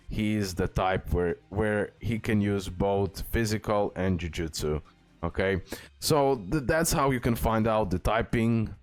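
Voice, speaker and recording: Low-voiced man casually explaining a game. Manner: explanatory, repeatedly checking in with "okay?". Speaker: game guide host. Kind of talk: casual off-the-cuff game tutorial. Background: music.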